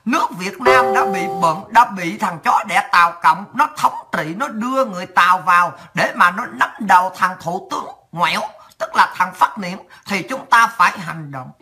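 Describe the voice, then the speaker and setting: A woman's voice: mid-range voice, moderate pace, bright, forceful tone, breathy edge, faint music behind. A woman with a Southern Vietnamese accent delivering a heated, sarcastic, coarse political rant as a commentator.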